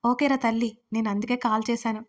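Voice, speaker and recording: A kindly, fatherly middle-aged man in a storybook reading, put on by a woman narrator. He speaks slowly and affectionately. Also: a little high, fairly even intonation, lightly acted. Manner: affectionate, slow. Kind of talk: audio story character voice.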